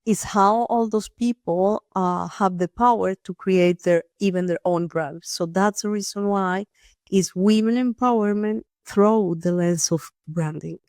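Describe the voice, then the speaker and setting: A woman's voice: mid-range voice, steady tone, unhurried, darkish tone, no room sound, clean studio sound. Earnest woman host, nonnative phrasing. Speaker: podcast host, here the guest. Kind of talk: reflective personal storytelling.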